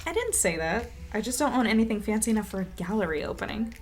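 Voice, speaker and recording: A woman's voice: mid-range voice, lively intonation, quick pace, close to an everyday voice. A woman playing a wry, troubled young reporter in an audio drama, speaking with dry, understated sarcasm. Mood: wry, probing. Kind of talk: audio drama acting, diary-like monologue and dialogue.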